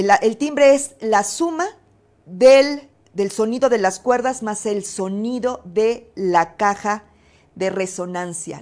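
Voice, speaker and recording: A woman's voice: medium pitch, darkish tone. Emphatic Mexican Spanish woman teaching. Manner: didactic, emphatic, with rhetorical questions and fillers. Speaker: presenter and voice coach. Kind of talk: webinar lesson.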